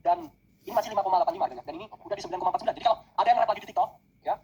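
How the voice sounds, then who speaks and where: A man's voice: high voice, rapid-fire, vocal fry, darkish tone, dull audio, a little hiss or hum. A man rattling off crypto trading calls in a casual podcast chat, mixing English trading jargon into his talk.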